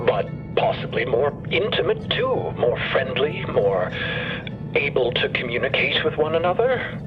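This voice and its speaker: A man acts out a learned professor in a fiction podcast. He has a mid-pitched voice and chooses formal words carefully, pausing between phrases. The sound is slightly dull, with music clearly behind it. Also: big pitch swings. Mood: thoughtful, hopeful. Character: courteous, thoughtful male scholar and professor. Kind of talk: narrative fiction podcast acting.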